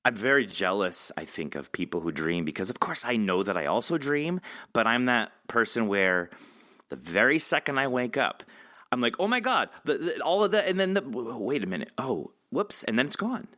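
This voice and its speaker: A man hosting a casual interview, talking in a rambling, animated way and acting out his reactions. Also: mid-range voice, normal speed. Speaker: podcast host interviewing an author.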